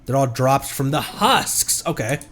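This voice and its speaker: Slow-talking man, lively swooping pitch. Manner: rambling, muttering to himself, playful. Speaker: streamer, VTuber host. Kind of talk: casual live gameplay commentary. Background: game music.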